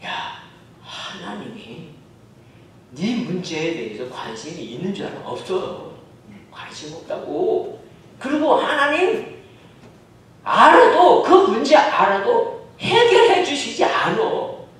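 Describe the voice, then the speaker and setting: A man's voice: high voice, very animated, slow pace, a bit bright, a little hiss or hum, pitched above the performer's own voice, heavily acted. A man voicing a sneering devil who whispers doubts into a believer's ear. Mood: taunting. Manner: taunting. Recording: very echoey hall, mic far off.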